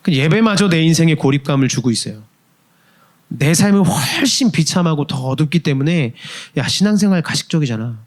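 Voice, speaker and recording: High-voiced young Korean man preaching. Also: normal speed. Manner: lively, conversational preaching with questions to the congregation; acts out quoted inner voices. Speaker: youth pastor. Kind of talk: sermon. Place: church service.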